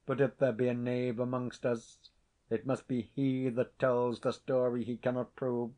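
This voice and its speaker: A man voicing a stern, cold Scottish laird who speaks in a measured, commanding way. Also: mid-range voice, little pitch movement, dark tone, close to an everyday voice.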